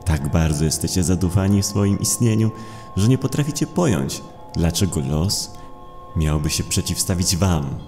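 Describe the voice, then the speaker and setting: Mężczyzna grający w słuchowisku grozy mroczną, nadprzyrodzoną istotę chaosu, pogardliwą, groźną i teatralnie pouczającą. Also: male voice, deep voice, sing-song, moderate pace, darkish tone, reverberant, soft background music. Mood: scornful. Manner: scornful, lecturing, theatrical. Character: male dark supernatural manifestation of chaos, scornful, menacing. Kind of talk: audio drama horror acting.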